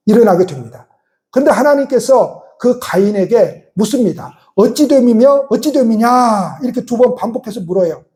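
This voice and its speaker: High-voiced pastor preaching conversationally. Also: male voice, mellow. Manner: conversational preaching with rhetorical questions and acted-out inner voices. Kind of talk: sermon.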